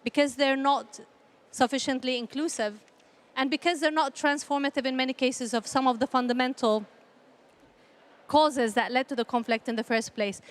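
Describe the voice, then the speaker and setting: Woman, really high voice, giving formal panel remarks, earnest and measured, repeats phrases to make her point. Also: fairly even intonation. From Palestinian, grew up in a conflict country. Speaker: panel speaker, peace initiative representative.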